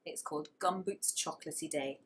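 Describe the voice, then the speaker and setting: A woman reading a children's story aloud with expressive narration and dramatic emphasis on key words. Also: low voice, fairly quick.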